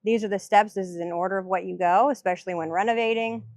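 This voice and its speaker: A woman's voice: mid-range voice, steady tone, fast talker, a little mellow, dry recording. A woman business owner talks in a practical, easygoing way. She describes herself as analytical, and her voice sits dry and close to the mic. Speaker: downtown business owner guest. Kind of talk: casual interview chat.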